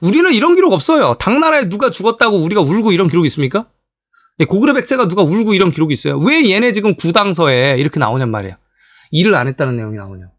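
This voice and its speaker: A man delivers a history lecture in a lively, sweeping voice that sits a bit high for a man. He talks straight to his audience and leans on rhetorical questions to drive home his points. The recording is dry and close, with no room sound. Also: very fast, no room sound. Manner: animated, rhetorical questions, addresses viewers directly.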